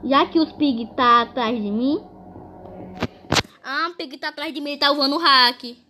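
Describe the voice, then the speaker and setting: A woman with a Brazilian accent giving excited, exclamatory gameplay commentary to her viewers. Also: high voice, moderate pace, noisy background. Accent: Brazilian Portuguese. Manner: animated, exclamatory, talks to viewers. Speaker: gaming video host.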